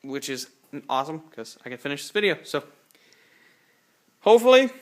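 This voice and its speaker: A man's voice: fairly high pitch, sing-song, moderate pace. Rambling eighteen-year-old guy in a garage. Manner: rambling, self-correcting, plain-spoken. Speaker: hobby car builder. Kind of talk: casual garage walkthrough. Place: home garage, indoors. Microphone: handheld phone camera.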